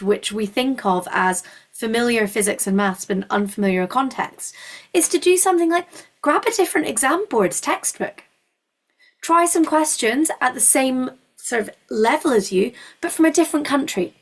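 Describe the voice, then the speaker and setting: A woman's voice: high-pitched, expressive, moderate pace. A woman with a Scottish accent hosting a university webinar, explaining things informally in a reassuring, encouraging way. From Scotland.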